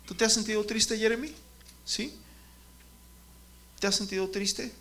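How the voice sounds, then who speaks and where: A man preaches to a group of children, pitching his voice high. His tone is bright and lively, and he keeps turning to the kids with questions, calling on them by name. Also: a little slow, a little hiss or hum. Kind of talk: children's sermon.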